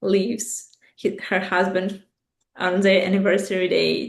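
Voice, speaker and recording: Vocal fry colors this woman's speech. Her pitch is medium. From Ukraine. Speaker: writer and filmmaker. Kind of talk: interview.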